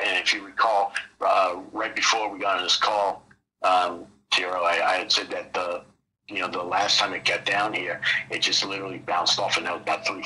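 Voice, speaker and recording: A man's voice: deep voice, pushed and bright, slight background noise, poor audio. A man explaining trading casually on a call, rambling and leaning on "you know" between thoughts. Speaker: trading mentor.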